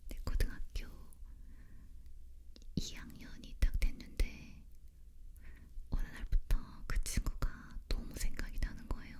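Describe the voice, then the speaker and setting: A woman leaning in to whisper an ASMR story in a breathy, unvoiced voice, very close to the microphone. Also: unhurried, long pauses. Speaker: ASMR creator telling a personal story.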